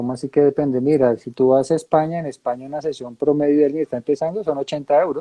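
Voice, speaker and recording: A man with a Colombian accent, fairly high in pitch with ordinary variation and a dark, mellow tone, talking at a fairly quick pace in a dry, close sound with no echo. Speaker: coach and mentor. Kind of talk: interview conversation. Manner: animated.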